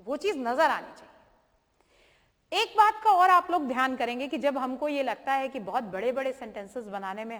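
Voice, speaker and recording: A woman teaching grammar in a video lesson, explaining patiently and reading examples slowly with exaggerated intonation. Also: a little high, pushed and bright. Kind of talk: classroom-style video lesson. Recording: long hall reverb.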